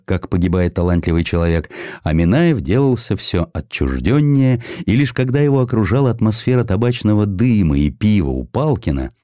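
A man narrating a historical sketch in an expressive scripted style, with dramatic, deliberate phrasing. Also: lowish voice, no room sound, studio quality. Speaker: audiobook narrator.

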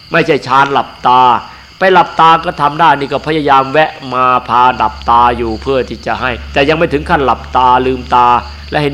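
A man's voice: medium pitch, fairly bright tone, a little hiss or hum. An older man, a monk, giving an earnest and emphatic dharma sermon.

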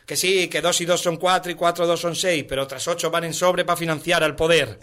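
Bright-voiced man reciting. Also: a little high. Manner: rhythmic, emphatic recitation with colloquial clipped words. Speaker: comedian guest. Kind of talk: rhyming satirical poem recital and radio banter.

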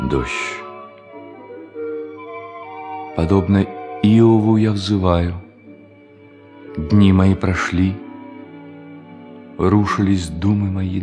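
Brooding, low-voiced fugitive thief. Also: male voice. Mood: solemn declaiming. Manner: theatrical soliloquy, swinging between muttering and solemn declamation. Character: brooding fugitive bank thief, bitter, lonely, self-tormenting man. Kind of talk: theatrical radio play monologue.

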